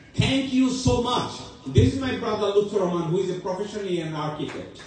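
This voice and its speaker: A man talks very fast in a high pitch with lively intonation. Noticeable background noise and audible room echo fill the recording. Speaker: event organizer. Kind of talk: public speech. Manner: animated.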